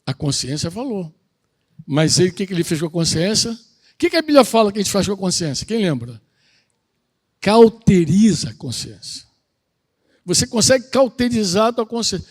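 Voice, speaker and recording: A man's voice: high-pitched, sing-song, normal speed, long pauses. A middle-aged man, preaching a conversational sermon and asking his congregation questions. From Brazil. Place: outdoor country retreat gathering.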